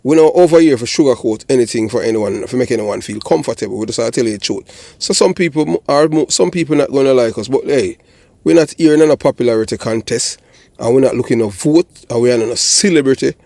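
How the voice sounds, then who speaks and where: A man's voice: mid-range voice, quick pace, gravelly, darkish tone, no echo. An older man with a Jamaican accent giving blunt, emphatic political commentary as a channel host, often checking that listeners follow. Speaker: channel host and commentator, former police officer.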